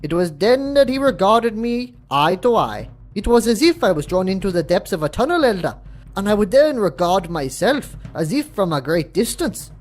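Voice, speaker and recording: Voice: medium pitch, big pitch swings, normal speed, darkish tone. A performer playing a tribal chronicler and humble farmer witness in an audio story, declaiming reverently in archaic, scripture-like language. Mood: reverent, awed. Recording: music under the voice.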